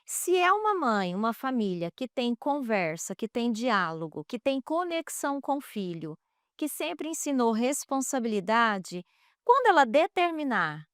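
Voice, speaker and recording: A high-pitched Brazilian woman speaks as a guest expert in an interview. Her voice swings widely in pitch as she tells stories and acts out quoted dialogue. The recording is dry and close. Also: no room sound. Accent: Brazilian Portuguese. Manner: animated storytelling, acting out quoted dialogue. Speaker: guest expert on child development. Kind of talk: interview conversation.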